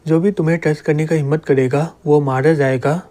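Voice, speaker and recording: A man's voice: a little high, fairly even intonation, moderate pace, lightly acted. A man reading out an arrogant young fighter, threatening. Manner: threatening, shouting.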